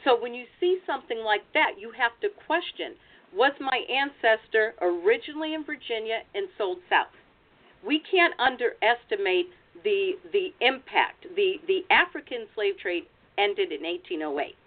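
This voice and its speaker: An American woman with a fairly high, animated voice speaks at a moderate pace, presenting herself as a genealogy researcher. She gives practical advice in an explanatory webinar talk over a video call, and the online call audio sounds tinny and phone-like.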